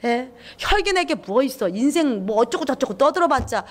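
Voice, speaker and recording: A woman pastor delivers a sermon with a fairly high voice. She is animated, acting out inner thoughts and hammering home her points with repeated words. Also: normal speed.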